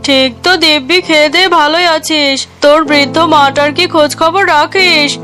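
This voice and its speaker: A woman's voice: high-pitched, steady tone, moderate pace, bright, forceful tone, faint music behind. A woman voicing a sly, greedy aunt tigress in a children's cartoon, coaxing and scheming. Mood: falsely concerned.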